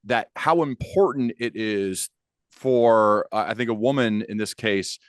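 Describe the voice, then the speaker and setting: A man's voice: lowish voice, unhurried, clear, resonant tone, dry recording, clean studio sound. A man hosting an interview podcast, chatting informally with anecdotes and acted-out imagined quotes. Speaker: podcast host. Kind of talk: casual interview chat.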